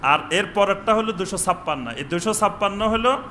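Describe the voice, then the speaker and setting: Male preacher, bright tense voice, chants Arabic lines slowly, faint room noise. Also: high-pitched, lively intonation. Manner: chants Arabic phrases slowly, questions the audience. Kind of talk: sermon. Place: mosque with upper floor and veranda.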